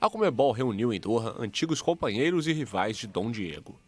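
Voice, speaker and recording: A man's voice: medium pitch, expressive, brisk. A man voicing a TV news report and dubbing the interview quotes.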